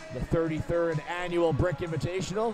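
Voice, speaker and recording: A man speaks in a high voice with an upbeat tone. Noticeable background noise runs underneath. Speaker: play-by-play hockey commentator. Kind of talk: live sports commentary, play-by-play. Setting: broadcast from an arena. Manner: upbeat and jokey between plays.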